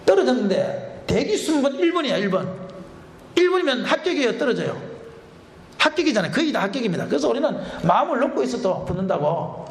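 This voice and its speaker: A middle-aged man, a pastor, preaching a revival sermon and telling a personal story with animated, laughing delivery. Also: high voice, gravelly. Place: church sanctuary. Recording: echoey church hall.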